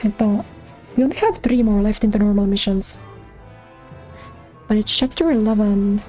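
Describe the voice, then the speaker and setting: A woman's voice: mid-range voice, normal speed, dark tone, soft background music. A young woman streamer chatting casually as she plays, thinking aloud about missions and thanking subscribers. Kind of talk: casual gameplay commentary.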